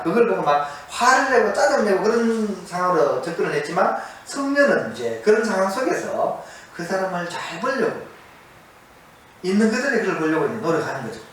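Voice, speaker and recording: Male monastic preacher, high voice, animated pitch, asks the audience questions, repeats key words. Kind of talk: sermon lecture to an audience. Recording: very echoey, distant mic, faint noise.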